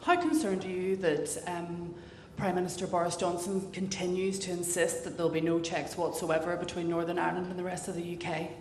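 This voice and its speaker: A woman's voice: level tone, a little fast, a little mellow. Woman journalist asking from an echoey hall. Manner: formal, direct question. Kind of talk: question from the floor. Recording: echoey hall, faint rumble.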